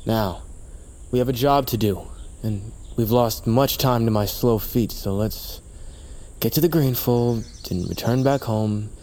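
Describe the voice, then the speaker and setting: A man's voice: mid-range voice, measured pace, dark tone, close to an everyday voice. A man acting a wounded tribal warrior in an audio drama, wry and loyal, with a weary manner. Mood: resolute. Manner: wry, sardonic. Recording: night insects, faint outdoor noise.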